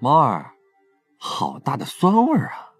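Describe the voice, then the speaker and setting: An actor playing a teasing, confident young police team leader in an audio drama. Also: male voice, medium pitch, wildly swooping pitch, unhurried, breathy edge, no echo, full character voice. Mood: teasing, fond. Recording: faint music under the voice.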